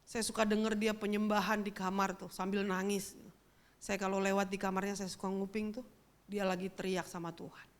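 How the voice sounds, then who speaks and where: A woman's voice: mid-range voice, level tone, brisk. A middle-aged woman pastor, giving a sermon as a chatty personal story and speaking straight to the congregation. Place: church.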